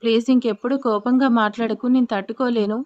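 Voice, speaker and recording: Sensitive young wife in an audio drama, voiced by a woman narrator; soft and pleading, higher pitch. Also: steady tone, quick pace, highs cut off, natural voice. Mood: tender pleading. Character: sensitive young bride, tender and easily hurt.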